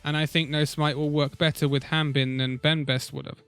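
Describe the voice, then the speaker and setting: A man who is a little ill and losing his voice gives an opinionated, conversational esports roundup with pauses. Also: fairly high pitch, flat delivery, fairly bright tone, clean tone, soft background music. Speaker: esports video host. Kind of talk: casual esports commentary vlog.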